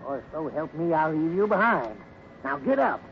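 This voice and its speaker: An actor playing a crusty old hobo with a folksy rural American accent in a 1950s radio drama. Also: male voice, fairly high pitch, very animated, gravelly. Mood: gruff, impatient. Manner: folksy, scolding, drawn-out sighs and exclamations. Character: crusty old hobo, gruff outside, kindly underneath. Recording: muffled, noisy 1950s radio recording.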